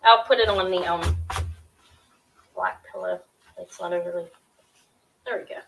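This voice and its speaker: Speaking into a webcam at home, a middle-aged woman with a high, sharp, creaky voice auctions jewelry live, with display shelves filling the small room behind her. Her tone stays steady while she rattles on to viewers, scattered and chatty, often saying um and correcting herself. Music plays in the background of the low-quality recording.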